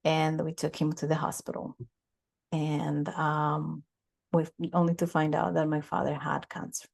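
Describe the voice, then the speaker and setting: Low-voiced and darkish, with vocal fry and little pitch movement, a woman from Bogota slowly shares her life story as a guest in a relaxed interview. She takes her time, with many pauses and fillers. A desk microphone picks her up on a video call from a home office with bookshelves.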